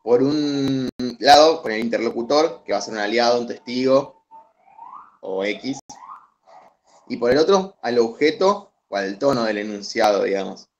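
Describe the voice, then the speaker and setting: A man's voice: mid-range voice, animated, normal speed. A young man with an Argentine accent explaining a reading to classmates over a video call, hesitant, with many fillers and restarts. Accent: Argentine Spanish. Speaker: student presenter. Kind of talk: online study session explanation. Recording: dull lo-fi video call audio.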